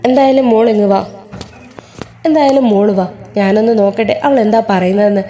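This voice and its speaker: A woman's voice: medium pitch, brisk, warm tone, a little hiss or hum, natural voice. A woman voicing an old grandfather, kindly with the child and firm and questioning when angered. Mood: comforting.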